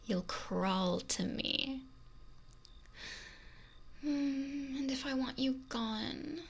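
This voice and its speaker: Woman acting a breathy, possessive female mafia boss. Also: a little high, exaggerated voice. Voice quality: breathy, often whispery. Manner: slow, languid, softly threatening. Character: possessive, domineering wealthy female mafia boss, lonely, menacing. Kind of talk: ASMR roleplay, close and intimate. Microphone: close binaural ASMR microphone.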